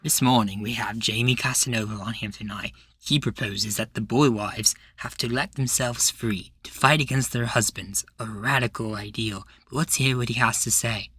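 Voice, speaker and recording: A man puts on a smug podcast host for a futuristic audio roleplay. He presents in a showy, dismissive broadcast manner. The voice is bright and forceful, with a close, dry sound. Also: medium pitch, fairly even intonation, moderate pace, few pauses, breathy edge, no echo, soft background music. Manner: condescending, showy. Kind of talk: mock broadcast hosting in ASMR roleplay.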